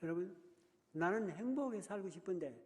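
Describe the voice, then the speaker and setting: A man's voice: sits high, animated, brisk. Impassioned older man preaching in a hall. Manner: impassioned, swings from hushed to loud. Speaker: guest speaker at a church revival. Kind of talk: sermon. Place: church sanctuary. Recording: long hall reverb.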